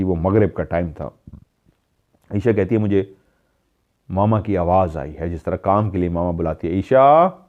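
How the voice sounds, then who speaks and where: Low-voiced male storyteller, lo-fi. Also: mellow. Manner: dramatic retelling, mimicking calls in a raised voice. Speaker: paranormal story narrator. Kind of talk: storytelling narration. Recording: dull lo-fi sound.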